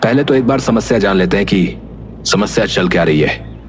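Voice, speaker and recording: A man playing a sensible, take-charge young villager in an animated moral story, speaking in a direct, practical way. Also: fairly low pitch, moderate pace, slight background noise.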